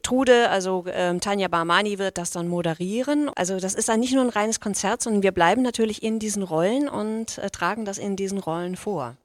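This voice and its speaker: A woman's voice: mid-range voice, fairly quick, few pauses, no echo. A woman stage actress explaining the rehearsal process in an assured way during an interview. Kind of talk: interview answers.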